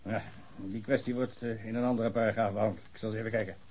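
An actor playing a long-winded, pedantic police officer in a radio drama. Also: male voice, fairly low pitch, fairly even intonation, quick pace, darkish tone, a little hiss or hum, lightly acted. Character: fussy male police officer reading a report.

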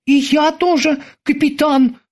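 A man voicing a sleepy, fretful bosun who talks in high, anxious exclamations. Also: fairly even intonation, a little slow.

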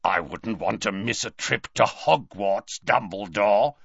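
A man voicing a savage werewolf with a rasping bark, slow and leering, in a dull, dry recording. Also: fairly low pitch, expressive, a bit bright, no room sound, full character voice. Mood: menacing.

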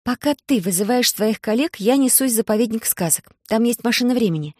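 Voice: medium pitch, animated, darkish tone, no echo, clean studio sound, voice pushed up, natural voice. A reader raising their voice as a clever stubborn girl. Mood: arguing. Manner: quick, persuasive, slightly mocking. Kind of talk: audiobook character voice.

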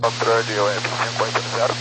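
A man's voice: fairly low pitch, level tone, fairly quick. A man giving short calls and readbacks over a crackly aviation radio. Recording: very noisy crackly radio with hum.

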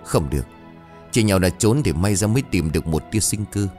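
A man's voice: low voice, lively intonation, fairly quick, darkish tone, faint music behind. A man voicing a woman in her fifties, old and fierce, giving urgent hissed orders in a horror story. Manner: urgent hissing whisper, hard commands. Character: frightened old village mother, fierce and bitter.

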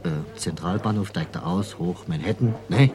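A man's voice: low-pitched, moderate pace, crowd noise. A man telling jokes in a casual round, acting out the characters. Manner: lively, acts out voices. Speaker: joke teller.

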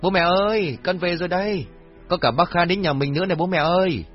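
A man's voice: medium pitch, lively intonation, quick pace, highs cut off, faint music behind, pitched above the performer's own voice, natural voice. A man voicing a polite, cheerful young female university student, in a raised voice. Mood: polite, lively. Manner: polite and deferential, raised bright tone.

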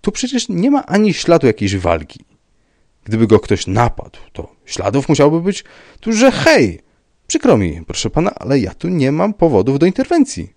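A man voicing a gruff police commissioner who speaks in a dry, curt, dismissive way. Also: fairly high pitch, wildly swooping pitch, normal speed, darkish tone, no room sound, pitched above the performer's own voice, full character voice. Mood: matter-of-fact. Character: gruff, unbothered middle-aged police commissioner.

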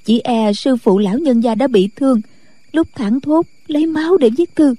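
A woman's voice: high voice, moderate pace, dark tone, no room sound, voice pushed up. Woman voicing a worried, dutiful nun. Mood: anxious. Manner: respectful, worried. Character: anxious, dutiful nun disciple. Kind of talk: audiobook character voice.

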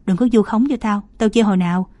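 A woman voices a shy young female student who protests and brushes off teasing. The tone is mellow and the recording is dry and close. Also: mid-range voice, fast, dry recording, lightly acted. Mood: defensive.

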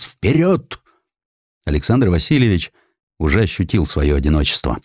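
A man reading historical prose as an audiobook narrator, with measured, expressive and dramatic delivery. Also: sits low, no echo, clean studio sound.

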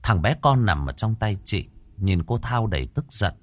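A man reading a ghost story aloud as a storyteller, in a dramatic, expressive style. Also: lowish voice, moderate pace, dry recording. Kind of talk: scripted ghost-story narration.

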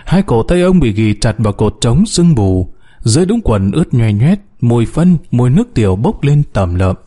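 A man narrating an audiobook story in a dramatic, expressive way. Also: medium pitch, normal speed.

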